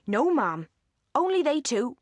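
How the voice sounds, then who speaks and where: A man's voice: very high-pitched, big pitch swings, a little slow, no echo, studio quality, pitched above the performer's own voice, exaggerated voice. Woman voicing a rustic manservant. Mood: deferential, chatty. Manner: deferential, dialect turns of phrase. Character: plain-spoken rustic manservant, respectful, chatty bearer of news.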